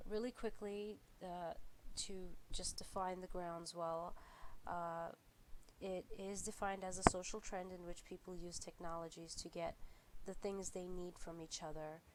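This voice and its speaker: A young woman with a stuffy, congested voice records a class presentation. She speaks slowly in a low, flat tone and keeps stopping to restart with ums and uhs. A faint hiss sits behind her. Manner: halting, many fillers and restarts. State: congested from a flu. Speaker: student presenter.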